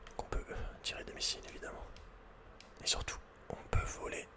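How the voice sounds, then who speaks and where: A man whispering casual, slangy, playful game commentary in a breathy ASMR style, close to the microphone. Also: a little fast. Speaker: ASMR video game player.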